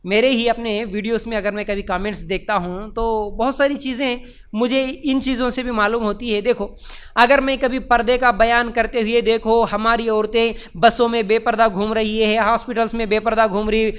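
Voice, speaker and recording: A man preaching, his voice pitched strikingly high for a man and notably clear and smooth. He drives his points home by repeating them and asking rhetorical questions. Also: level tone, fairly bright tone. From India. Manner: emphatic and repetitive, with rhetorical questions. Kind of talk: religious lecture.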